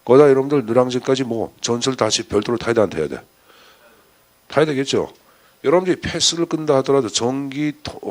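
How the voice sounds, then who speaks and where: A man giving a chatty exam-prep lecture, firing rhetorical questions at his students. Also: medium pitch.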